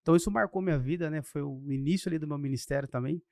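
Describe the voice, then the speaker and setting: A Brazilian pastor in his thirties tells his testimony in an animated, story-acting way. His voice sits high for a man, and the recording is dry and close. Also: very fast, gravelly, dry recording. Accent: Brazilian Portuguese. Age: 30s. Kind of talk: storytelling in a podcast interview.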